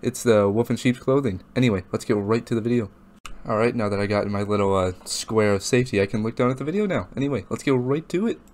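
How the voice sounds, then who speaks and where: A man's voice: fairly low pitch, fast, darkish tone. A young man talking casually as the host of a reaction video. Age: young adult. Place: small room at home, indoors.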